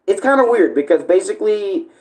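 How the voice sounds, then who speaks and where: A man's voice: high-pitched, expressive, darkish tone. Guy streamer just rambling casually, keeps stopping to find the right word and fix what he said. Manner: halting, searching for words, self-correcting. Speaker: online video creator and live streamer. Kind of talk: casual rambling livestream chat.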